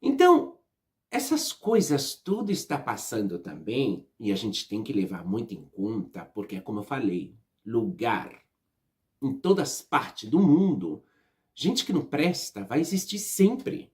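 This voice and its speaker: A woman's voice: extremely low pitch, sing-song, unhurried, a little mellow. A Brazilian woman with a Brazilian Portuguese accent, talking straight to her viewers in a casual opinion vlog, emphatic and repeating herself, often tagging "né?" and "tá?". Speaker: vlogger.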